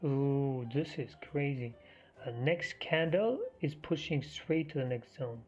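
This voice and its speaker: A man hosting a live trading stream, half losing his voice, talking through the market in a halting, think-aloud way. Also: medium pitch, darkish tone, husky. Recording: muffled stream audio with faint music.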